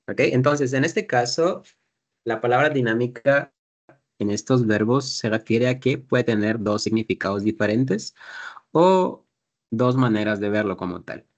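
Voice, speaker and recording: A man's voice: medium pitch, a little slow. A man teaching an English class, explaining patiently step by step and drilling pronunciation.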